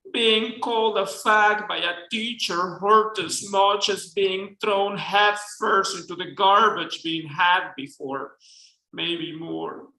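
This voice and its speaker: A man's voice: high voice, pushed and bright, exaggerated voice. A man with a Mexican accent reading aloud as a flamboyant, unashamed gay Southern man, putting on a Southern accent. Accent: attempted Southern US. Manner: theatrical, campy read-aloud delivery. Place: bookstore event space. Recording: echoey room.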